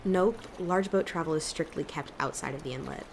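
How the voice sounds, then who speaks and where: Woman acting a low-voiced, blunt, anxious young islander. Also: brisk. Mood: skeptical. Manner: blunt, worried. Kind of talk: audio drama acting. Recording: water and ambient noise behind.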